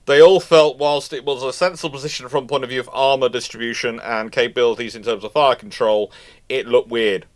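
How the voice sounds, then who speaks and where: A man from the United Kingdom with a mid-range voice speaks briskly and steadily while hosting a live Q&A stream. He shares opinionated expert views informally and at length, restating points several times.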